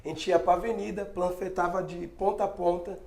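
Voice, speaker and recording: A man's voice: high-pitched, little pitch movement, a little fast, vocal fry, crowd noise. A Brazilian man co-hosting an interview, chatty and reminiscing. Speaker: co-host interviewer. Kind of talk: casual interview talk. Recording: roomy, echoey sound.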